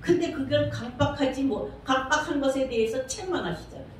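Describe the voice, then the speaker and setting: A woman's voice: high-pitched, fairly quick, a little hiss or hum. A woman pastor giving a sermon in a church, preaching conversationally and putting questions to the congregation. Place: church sanctuary. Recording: very echoey church from far off.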